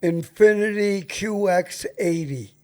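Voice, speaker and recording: A man's voice: sits high, takes it slowly. A man chatting casually as the host of a talk show. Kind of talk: casual chat.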